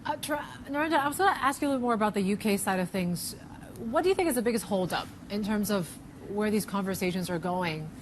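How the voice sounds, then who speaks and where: A woman's voice: medium pitch, expressive, fast, slight background noise. A woman journalist asking questions in a business interview.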